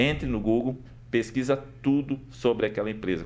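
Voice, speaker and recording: With music playing in the background, a man keeps up a fairly quick pace. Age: 30s. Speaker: speaker and communication trainer. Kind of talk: interview. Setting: studio.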